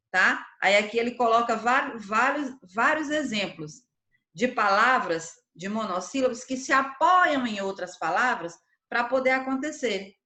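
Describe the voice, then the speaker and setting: A woman's voice: on the high side, bright, forceful tone, roomy sound. A woman teacher giving a grammar lesson, explaining step by step and answering her own questions for the class. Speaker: Portuguese teacher.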